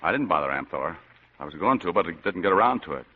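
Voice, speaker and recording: A wisecracking hard-boiled private eye. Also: male voice, low voice, lively intonation, fast talker, husky. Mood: wry. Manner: dry wisecracks, tough slang. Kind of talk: 1940s radio acting. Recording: dull lo-fi old radio broadcast.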